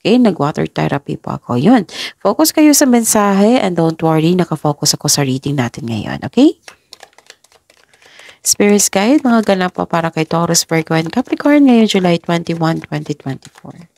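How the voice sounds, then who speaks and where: Low gravelly woman with a cold. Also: sing-song, darkish tone, dry recording. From Philippines. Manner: polite, halting, stops and restarts often. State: has a head cold. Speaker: tarot reader. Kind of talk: casual tarot reading.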